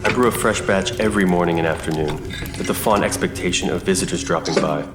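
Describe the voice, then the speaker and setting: An actor playing an old, lonely country reverend in an audio drama, solemn and hospitable, with measured, formal phrasing. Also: male voice, deep voice, noisy background, natural voice. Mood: solemn welcome. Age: older. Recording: roomy echo under music.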